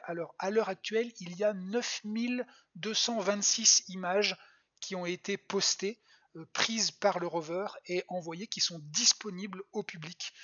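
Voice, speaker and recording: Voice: mid-range voice, a bit bright, slightly rough. A planetarium science educator giving a live online talk for children, answering viewers' questions with frequent hesitations and restarts. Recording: dull lo-fi home stream audio.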